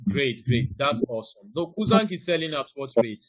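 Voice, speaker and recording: A man delivers live online ticketing training over a video call, very animated as he steps through the process, says "now" again and again, and quizzes his audience. His mid-range voice is slightly rough at normal speed, and the dry, dull call audio has no room sound.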